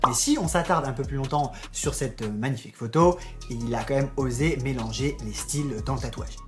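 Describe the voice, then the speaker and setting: A man's voice: medium pitch, brisk, music in the background. Chatty French-speaking man hosting a vlog. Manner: chatty, addresses viewers directly, joking asides. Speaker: tattoo YouTuber. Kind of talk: casual explainer vlog.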